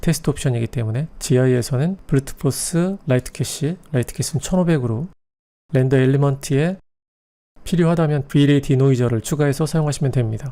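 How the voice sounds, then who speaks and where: A man with a fairly high pitch speaks at a moderate pace. His tone is dark and mellow, and his loudness stays very even. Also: ordinary pitch variation. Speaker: 3D modeling instructor. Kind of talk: tutorial.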